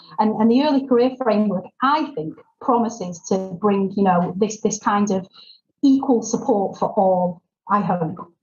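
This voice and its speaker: With a northern English accent, a woman speaks at a moderate pace in a somewhat breathy voice at a fairly high pitch. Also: ordinary pitch variation. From northern England. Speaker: teacher and author. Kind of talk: podcast interview. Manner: hesitant, many fillers.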